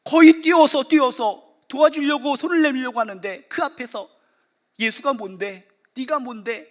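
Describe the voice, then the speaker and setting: A man's voice: high-pitched, a bit bright. A male pastor preaching a sermon emphatically, repeating key phrases for effect.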